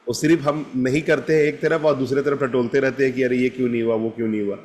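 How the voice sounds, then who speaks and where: A middle-aged man with a mid-range, fairly even, slightly mellow voice talks fast while teaching a live group self-help session. He speaks directly to participants by name and keeps checking they follow, repeating "ठीक है ना?".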